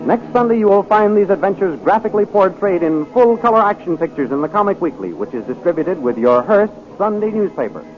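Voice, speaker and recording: High-voiced 1930s male radio announcer. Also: animated, a little fast, hardly any pauses, soft background music. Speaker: announcer and narrator. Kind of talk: dramatic scripted 1930s radio narration. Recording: thin, phone-like 1930s radio recording.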